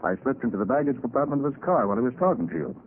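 An actor playing a confident, brisk master detective with assured authority in a 1940s radio crime drama. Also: male voice, mid-range voice, very animated, phone-quality sound, close to an everyday voice. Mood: assured, explaining. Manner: assured, explanatory, crisp authority. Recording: scratchy, thin 1940s radio recording.

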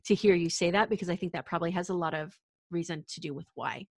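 A woman hosting a casual interview, asking her guest thoughtful questions in a measured way. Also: lowish voice, no echo, clean studio sound. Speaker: podcast host.

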